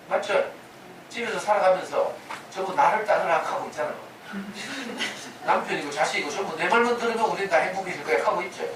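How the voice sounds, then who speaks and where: Guy lecturing parents, kinda high voice, chatty, asks the room stuff, echoey far-off mic w hiss. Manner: conversational, rhetorical questions, acts out quoted voices. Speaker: lecturer in a parenting humanities class. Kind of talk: lecture with sermon-like storytelling. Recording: echoey room from a distance, noisy.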